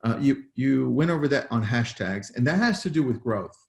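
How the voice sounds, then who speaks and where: A man's voice: mid-range voice, lively intonation, moderate pace, vocal fry, a little mellow. A man hosting a casual interview who repeats words as he steers the talk. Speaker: host. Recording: roomy echo.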